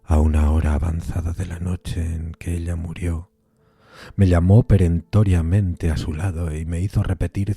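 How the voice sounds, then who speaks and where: A man narrates a literary horror tale with brooding, theatrical solemnity. His voice is deep, extremely dark and very breathy and rough, set over a bed of music. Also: dry recording. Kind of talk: dramatic scripted story narration. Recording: music under the voice.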